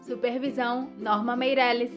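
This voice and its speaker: A woman's voice: a little high, steady tone, moderate pace. A Brazilian woman presenting a podcast in scripted narration. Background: background music.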